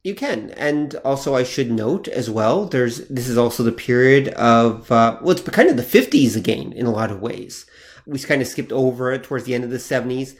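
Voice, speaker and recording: A man's voice: mid-range voice, animated, moderate pace. A man co-hosting a podcast, talking loosely and steering the conversation along. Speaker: podcast co-host. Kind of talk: casual podcast discussion.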